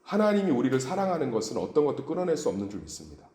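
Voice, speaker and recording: A male pastor preaches an early-morning sermon in a church sanctuary, retelling stories and asking his listeners rhetorical questions. His pitch rises and dips expressively. His voice rings out in the echoey room. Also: huge pitch swings, rapid-fire, warm tone. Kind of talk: dawn service sermon.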